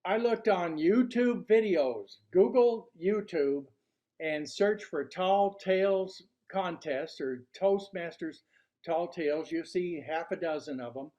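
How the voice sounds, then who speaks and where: An older man speaks to a club in a notably high voice. His delivery is deliberate and theatrical, built like a prepared workshop speech. The recording sounds muffled and low in fidelity. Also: mellow. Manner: deliberate, showman-like delivery with rhetorical questions. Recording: dull, lo-fi sound.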